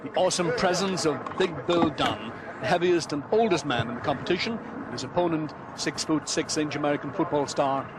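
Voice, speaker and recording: A man giving dramatic, vivid commentary on a strongman truck pull at an outdoor event. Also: a little fast. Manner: vivid, emphatic, rising pitch at climaxes. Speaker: sports commentator. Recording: loud crowd and outdoor noise.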